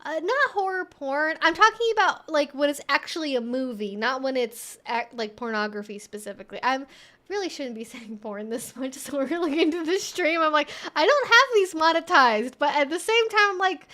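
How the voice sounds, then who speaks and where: A woman's voice: high voice, animated, moderate pace, sharp tone. A young woman hosting a livestream, chatting in an informal, rambling way as she answers viewer comments. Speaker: livestream host.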